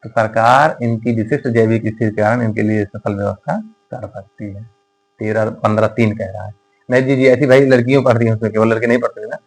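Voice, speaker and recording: A man's voice: lowish voice, steady tone, brisk, gravelly, low-quality recording. A man teaching an exam-prep lesson in a conversational way. He often asks rhetorical questions and dictates notes word by word. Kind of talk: explanatory classroom lecture.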